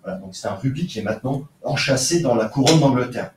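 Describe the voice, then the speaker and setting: A man's voice: medium pitch, lively intonation, fast. A man giving an academic seminar lecture as an archaeologist, explaining with frequent hesitations and fillers. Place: lecture room. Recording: roomy, distant lecture recording with faint noise.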